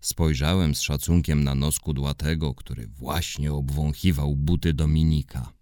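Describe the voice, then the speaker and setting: A man reading a children's story aloud in an expressive, playful manner. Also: very deep voice, normal speed, no echo, studio quality.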